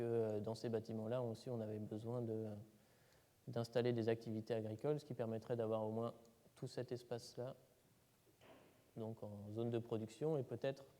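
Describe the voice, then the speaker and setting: Guy presenting his dig at a seminar, flat dark voice, lots of euhs, echoey hall. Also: medium pitch. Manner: hesitant, many fillers and restarts. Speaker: doctoral student presenting excavation results. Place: lecture hall. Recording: reverberant lecture hall.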